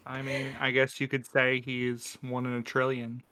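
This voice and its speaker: A man in a casual podcast Q&A, answering in a measured, dryly humorous, slightly mock-formal way. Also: medium pitch, completely flat delivery, pushed and bright. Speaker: podcast crew member answering questions.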